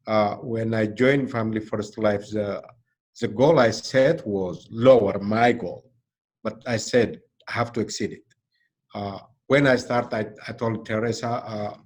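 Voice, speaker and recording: A middle-aged Ethiopian man with an Ethiopian accent talks earnestly and carefully about his work as an insurance agent, speaking his second language; his first is Amharic or another Ethiopian language. His voice is on the low side with a darkish tone.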